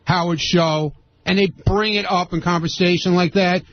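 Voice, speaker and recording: A man's voice: high-pitched, steady tone, normal speed, dry recording. A man in an unscripted studio discussion, explaining himself defensively. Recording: dull lo-fi radio recording.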